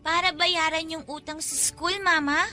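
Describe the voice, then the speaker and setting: A very high, bright child's voice, for an innocent and hungry Filipino schoolgirl in a radio drama. She is polite and questioning, with music softly behind her. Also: fairly even intonation, normal speed. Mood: innocent, concerned. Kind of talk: Tagalog radio drama acting.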